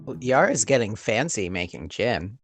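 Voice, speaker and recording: A man's voice: on the low side, sing-song, moderate pace. A man chatting casually as a player on a tabletop gaming podcast. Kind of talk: casual chat. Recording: clear music behind the voice. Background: music.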